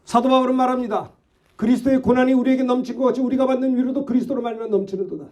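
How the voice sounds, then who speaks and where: Very high-voiced male pastor shouting. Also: steady tone, racing. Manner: shouting, exhorting, rhetorical questions. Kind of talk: fervent Sunday sermon.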